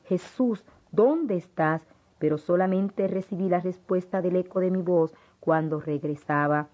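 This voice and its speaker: Solemn low-voiced woman narrator. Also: fairly even intonation, normal speed, a little mellow. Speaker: audiobook narrator. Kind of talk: first-person audiobook narration. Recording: dull lo-fi audiobook audio.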